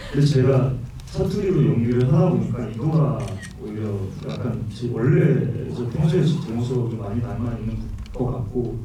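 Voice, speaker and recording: A man from Busan, an actor answering audience questions, candid and wry, heard from afar in a cinema hall. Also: medium pitch. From Busan, South Korea. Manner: candid, wry, thinks aloud. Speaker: film actor at a post-screening Q&A. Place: cinema auditorium. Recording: echoey cinema hall, distant mic.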